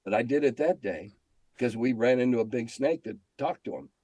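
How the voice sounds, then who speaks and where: Speaking at a medium pitch and a slightly quick pace, an older American man with a dark tone talks as an interview guest. He's a longtime game designer and editor who spins stories and stresses his views through emphatic repetition, recorded without echo.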